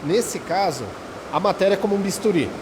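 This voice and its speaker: A man with a Brazilian Portuguese accent gives an informal spiritual talk, his voice a little higher than most men's. He speaks conversationally and keeps checking in with his listeners. The sound carries a long hall reverb, with faint rain heard behind him. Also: animated, brisk, background noise. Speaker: speaker at a Spiritist study center.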